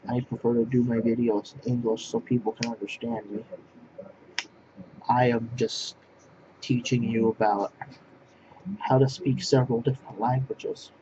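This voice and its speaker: Halting, rambling man, lo-fi recording. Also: medium pitch, level tone. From northwest Pennsylvania. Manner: halting, repeats and restarts phrases. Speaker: language vlogger. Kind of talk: rambling monologue to camera. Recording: dull lo-fi sound with clear background noise.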